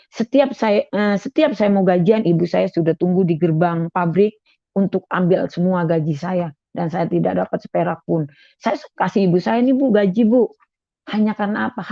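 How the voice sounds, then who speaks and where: A young woman from Madura tells her personal faith testimony in an earnest way, circling back over her own phrases. Her voice carries a gravelly fry. The recording is dull and lo-fi, with a dry, close sound. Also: mid-range voice, no echo. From Madura, Indonesia. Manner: earnest, repeats phrases as she recounts. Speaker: testimony speaker.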